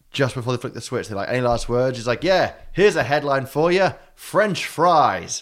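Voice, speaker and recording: With an Australian accent, a man speaks at a moderate pace. His intonation is lively. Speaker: podcast co-host. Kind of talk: casual chat. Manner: animated.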